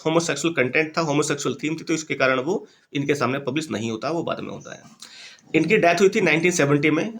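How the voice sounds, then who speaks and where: A young man giving a casual literature lecture for exam students. His voice sits slightly high and carries a gravelly rasp. He talks in an informal, chatty way and repeats key points for emphasis. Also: a bit bright. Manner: explains in Hindi, reads English titles slowly, repeats points; chatty and informal, keeps addressing listeners as "bhai" and "yaar". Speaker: exam-prep literature teacher. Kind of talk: casual lecture over slides.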